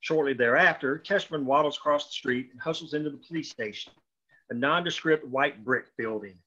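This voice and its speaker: A man with a bright, forward voice at a middling pitch reads stage directions as scripted narration. The recording is dull and lo-fi, like a remote table read. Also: a little fast. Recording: dull, lo-fi call audio.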